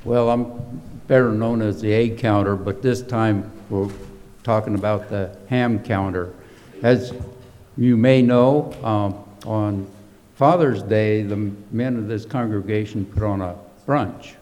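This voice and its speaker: A man's voice: lowish voice, steady tone, slow, darkish tone. A man making a wry, plain-spoken announcement about a men's brunch at church. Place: church sanctuary. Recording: reverberant church hall.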